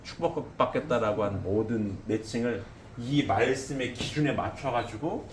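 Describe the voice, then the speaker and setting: A middle-aged man delivers a sermon with emphasis in an echoey hall with faint ambience, often putting questions to his congregation and tacking on "eh?". His voice sits in the mid-range at a moderate pace, with a little hiss or hum in the recording.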